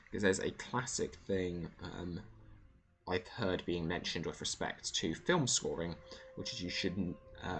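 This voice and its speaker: A man's voice: deep voice, fairly bright tone, a little hiss or hum. A man streaming a video game, thinking aloud in a casual, rambling way with many fillers. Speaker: gaming streamer. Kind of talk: casual gameplay commentary.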